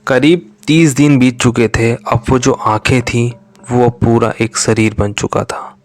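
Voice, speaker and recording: A man slowly telling a true horror story, his voice sinking to a whisper at tense moments. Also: mid-range voice, steady tone. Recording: faint music behind.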